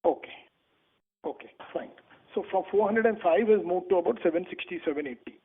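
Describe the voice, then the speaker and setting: High, lively male caller on a phone. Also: brisk, vocal fry, slightly rough. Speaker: caller asking questions, investor or analyst. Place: phone call. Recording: narrow phone line, faint noise.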